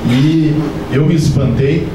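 A man's voice: on the high side, slow. A middle-aged man, from Rio Grande do Sul, giving an effusive formal speech to a meeting with a handheld mic. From Rio Grande do Sul, Brazil. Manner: effusive, ceremonious thanks. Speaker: council member addressing a meeting. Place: conference room, indoors. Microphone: handheld mic, far camera. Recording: echoey room from far off, with room noise.

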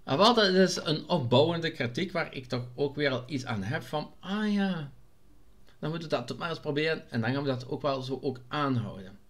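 Speaking with a Limburg Flemish accent, a vlogger from Limburg, Belgium, goes through viewer comments casually, reading and replying. His pitch is fairly high and he talks fairly quickly with hardly any pauses, though he stays hesitant and fills gaps with frequent filler sounds.

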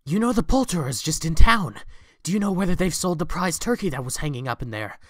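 A man's voice: fairly high pitch, animated, fairly quick, a bit bright, dry recording, clean studio sound. A man playing a giddy, generous reformed rich man in an audio drama, exclaiming in formal old-fashioned phrases. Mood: excited. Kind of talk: fan audio drama acting.

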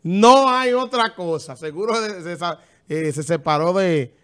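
This man is a co-host on a casual TV show. His voice is high for a man. He keeps teasing and contradicting his partner with jokes. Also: a little slow, fairly bright tone, smooth. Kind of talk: casual studio banter on a TV show.

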